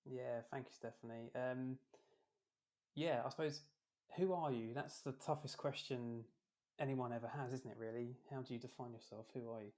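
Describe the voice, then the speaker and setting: A man's voice: medium pitch, flat delivery, moderate pace, darkish tone. British man from London, musing as a guest. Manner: hesitant, with many ums and restarts, joking. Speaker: podcast guest, author and coach. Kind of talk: casual interview talk.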